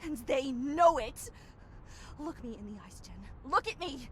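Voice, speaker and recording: A woman's voice: sits high, lively intonation, a little slow, a little hiss or hum. A woman playing an urgent, protective young friend in a dramatic horror game. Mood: grave, warning. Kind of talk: dramatic video game acting.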